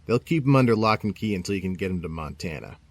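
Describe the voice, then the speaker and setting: Male police captain, deep, plain-spoken, gruff, reserved, audio drama. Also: animated, fast, no echo. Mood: matter-of-fact.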